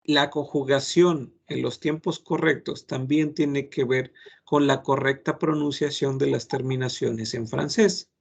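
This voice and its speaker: Gravelly-voiced man teaching French. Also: medium pitch, steady tone, a little slow. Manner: earnest, admonishing, gives many examples. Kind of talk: lecturing a language class.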